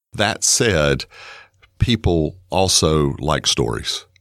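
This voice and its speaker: A man's very deep, low voice with vocal fry and lively intonation, in a dry, close sound with no echo. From rural North Carolina. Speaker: economic development consultant. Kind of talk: interview. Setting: studio.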